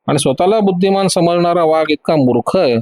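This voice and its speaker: A man's voice: high voice, a little fast, mellow, natural voice. A man voicing a bold young woman who coolly mocks her captor in a storybook reading. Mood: mocking.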